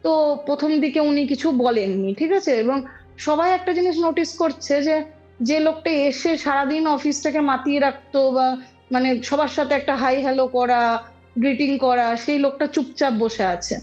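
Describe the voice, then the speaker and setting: High-voiced woman storyteller, dull audio. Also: moderate pace, a little mellow. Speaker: podcast guest telling a story. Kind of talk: conversational storytelling of an eerie real-life incident. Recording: dull lo-fi audio with music behind. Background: music.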